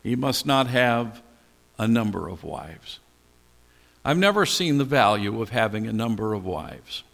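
A man's voice: on the low side, lively intonation, measured pace, gravelly, fairly bright tone. An older man preaching as a pastor, teaching through a Bible passage in a conversational way and posing questions that he then answers himself. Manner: conversational, asks and answers his own questions. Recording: long hall reverb.

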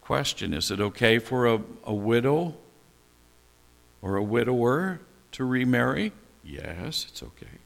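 Older man, pastor, gravelly voice, conversational Bible teaching, asks and answers questions, echoing hall. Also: medium pitch, sing-song, a little slow. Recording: long hall reverb.

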